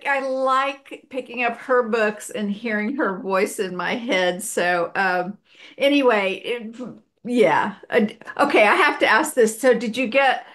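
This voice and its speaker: A woman's voice: on the high side, measured pace, fairly bright tone. A woman hosting a casual interview over a video call, chatty and enthusiastic, laughing often. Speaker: podcast host.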